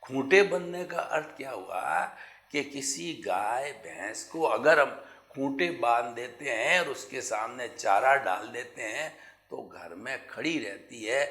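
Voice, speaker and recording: Guy giving a slow spiritual talk, bright voice, lots of rise and fall, echoey room. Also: mid-range voice. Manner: slow, animated preaching with vivid everyday examples. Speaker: spiritual teacher. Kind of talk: spiritual discourse.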